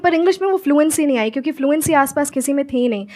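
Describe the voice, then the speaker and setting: High-voiced young woman speaker mixing English. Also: lively intonation, darkish tone. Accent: Haryanvi Hindi. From Haryana, India. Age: 20s. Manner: mixes Hindi with clear, slow English phrases. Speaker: motivational speaker and English teacher. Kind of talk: stage conversation with audience questions.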